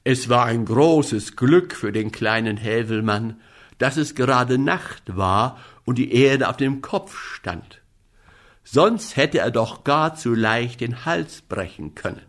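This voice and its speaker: Slow, expressive male storyteller. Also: medium pitch. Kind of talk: reading a fairy tale aloud.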